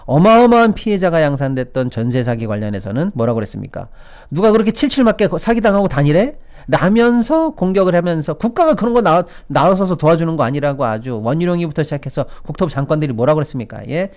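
A man's voice: a little high, big pitch swings, quick pace, hardly any pauses, a little mellow, clean tone. A middle-aged man giving opinionated solo commentary, sarcastic, mocking officials in quoted voices and often calling out to his viewers. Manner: sarcastic, mocks officials in put-on quotes, frequent "예" and "여러분". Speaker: political-economy commentator.

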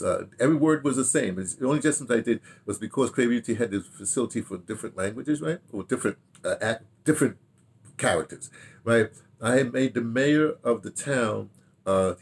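Husky older man, low-voiced and rambling. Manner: halting, digressive, musing aloud, repeats words. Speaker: veteran radio drama director recounting career. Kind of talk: casual rambling reminiscence to camera. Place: small furnished home room with bookshelves.

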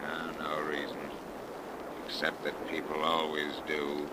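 An actor in a 1930s radio drama playing a menacing, cursed sea captain who speaks in archaic, theatrical, halting phrases. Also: male voice, a bass voice, monotone. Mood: brooding. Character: brooding, menacing, God-hating cursed old sea captain. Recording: noisy 1930s radio broadcast.

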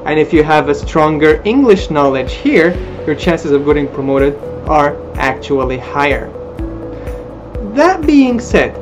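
A man in his thirties, native Armenian speaker, giving an expressive, informational talk to camera from a small room. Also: on the high side. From Middle East, Arabic-speaking country. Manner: lively, expressive, gestures with hands. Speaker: language school presenter. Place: small indoor room, plain wall. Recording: dull lo-fi webcam audio with music behind.

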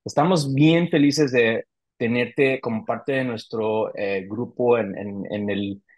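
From a home office, a man hosts a casual interview over a video call, speaking slowly with many hesitations and restarts. His medium-pitched voice is a little mellow, with no echo.

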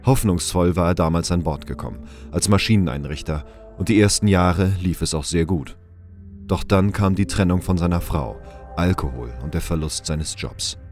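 Low-voiced male audio drama narrator. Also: moderate pace, darkish tone, soft background music.

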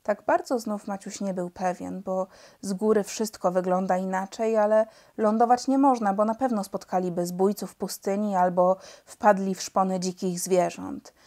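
A woman narrating a children's audiobook, expressive and measured. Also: medium pitch.

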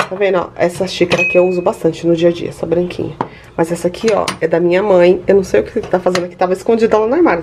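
Brazilian woman in her thirties, home vlogger, chatty and direct with viewers, mid-pitched, kitchen with faint noise. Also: darkish tone. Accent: Brazilian Portuguese. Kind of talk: casual home vlog.

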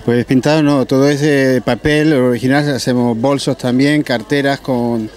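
A man's voice: mid-range voice, steady tone, moderate pace, a little mellow. A man stallholder explaining his handmade products plainly and modestly at an outdoor market. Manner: plain, modest, matter-of-fact. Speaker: craftsman stallholder. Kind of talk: casual explanation.

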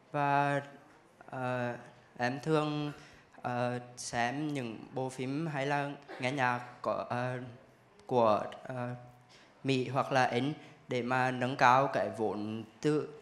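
Echoey teenage male quiz contestant. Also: mid-range voice. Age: teens, high school student. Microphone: handheld microphone. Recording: echoey stage sound.

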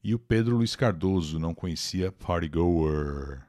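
Lively low-voiced man teaching English. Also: measured pace, no echo, studio quality. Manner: explains words and pronunciation, reads chat comments aloud. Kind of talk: live-stream English lesson, reading and translating.

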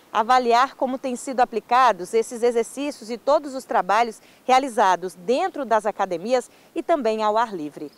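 A female reporter reads a scripted news package in a formal, measured way. Her voice sits slightly high.

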